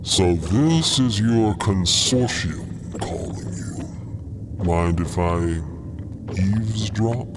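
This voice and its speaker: A man's voice: on the low side, lively intonation, very slow, background noise. A man voicing an eerie, sly mutant creature that drawls with polite insinuation in an audio drama. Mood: sly, mock-meek.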